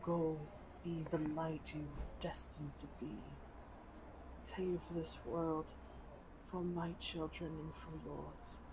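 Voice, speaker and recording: A woman plays a huge, wounded old male dragon in a tabletop game. The voice is low, breathy and rumbling. He speaks very slowly, with solemn resolve, over faint room noise. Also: little pitch movement. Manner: slow, solemn, halting.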